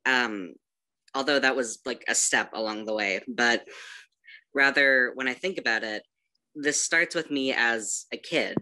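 Young man, bright crisp tone, thoughtful pauses, video call from home. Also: mid-range voice, rough recording. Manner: thoughtful, hesitant, with pauses and "kind of". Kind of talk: reflective panel talk. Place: home room, yellow wall.

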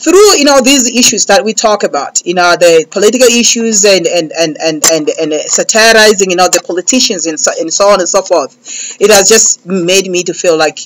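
A man's voice: high-pitched, brisk, hardly any pauses, crowd noise, rough recording. A young adult man from Malawi and South Africa, a comedian guest in a radio studio interview, rambling and repeating fillers as he tells comic stories into a close studio mic. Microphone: large studio mic close above.

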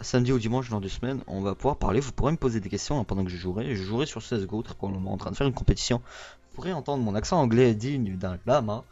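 A man's voice: medium pitch, mellow, dull audio. A young man with a Québécois French accent, giving a casual vlog update to his channel's viewers, rambling with lots of hesitations and self-corrections. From Quebec. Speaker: YouTuber.

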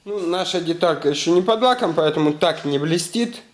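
A man's voice: on the high side, expressive, brisk. Man explaining a workshop hands-on tutorial. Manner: explanatory, repeats "то есть", filler-heavy. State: slightly ill. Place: indoor garage workshop. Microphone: camera mic, handheld close.

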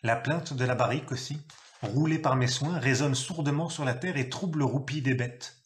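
Guy reading a novel out loud, expressive, middle pitch, gets gruff and loud when the dad talks. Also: normal speed. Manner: expressive storytelling, acting out the father's gruff shouted lines. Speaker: bookseller reading aloud. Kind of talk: literary reading.

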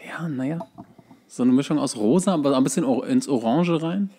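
Guy co-hosting a podcast, chatting casually, talks really quick. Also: medium pitch, dark tone. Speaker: podcast co-host. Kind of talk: casual banter.

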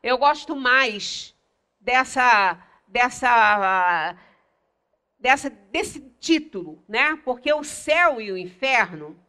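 An older woman with a Brazilian Portuguese accent leads a religious study talk, her voice high and bright. She explains patiently, pausing to stress key words. She is picked up in a small indoor meeting room. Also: expressive, clean tone. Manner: explanatory, stresses single words with long pauses. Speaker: lecturer at a spiritist center.

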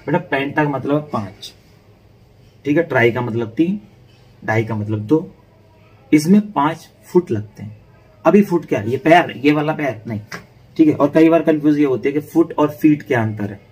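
A man's voice: on the high side, lively intonation, normal speed, darkish tone, distant mic, rough recording. A man teaching an informal online literature class, chatty and repetitive, often calling his students "beta" and checking in with them. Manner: chatty, addresses students as "beta", repeats and checks "theek hai". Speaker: online English literature tutor.

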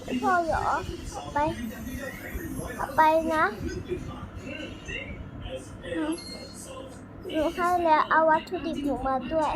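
A woman's voice: high voice, fairly even intonation, slow pace, long pauses, a crowd in the background, low-quality recording. A young girl with a playful, chattering manner, role-playing a children's story as the host of a channel. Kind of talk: improvised children's game role-play narration. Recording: music behind the voice. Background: background music.

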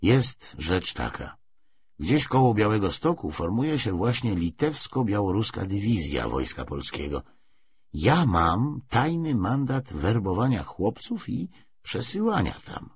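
A man voicing a guarded, worldly-wise young army recruiter confiding halting instructions in an audiobook. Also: fairly low pitch, very animated, dull audio, slight background noise, voice pushed up. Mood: conspiratorial. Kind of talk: acted audiobook dialogue.

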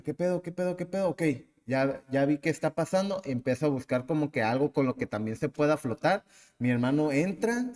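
A man in his thirties with a Mexican accent, hosting a podcast and telling a personal story in a lively, casual way. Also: mid-range voice, in a large hall. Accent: Mexican Spanish. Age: 30s. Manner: animated, acts out the people in his story. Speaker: podcast host.

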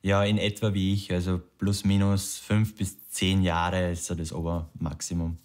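A thirty-year-old man, talking in a relaxed, plain way in an interview at home. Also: low-pitched, moderate pace. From Lower Austria. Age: 30s. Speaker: dating show candidate. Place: home kitchen.

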